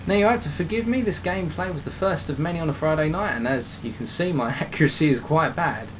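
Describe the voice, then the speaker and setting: A man commentating over his own game footage, slightly hoarse as he is losing his voice, explaining tactics with frequent restarts. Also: on the high side, quick pace, background noise. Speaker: gameplay commentator.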